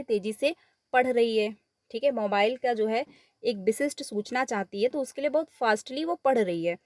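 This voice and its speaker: A woman's voice: fairly high pitch, no room sound, clean studio sound. A woman teacher, walking through exam questions step by step, mixing English words into her Hindi and repeating the answers. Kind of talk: exam paper walkthrough lesson.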